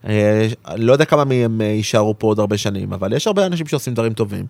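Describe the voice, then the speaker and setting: A man's voice: fairly low pitch, expressive, vocal fry, a little mellow, dry recording. A man with an Israeli accent talking casually as a guest in an interview.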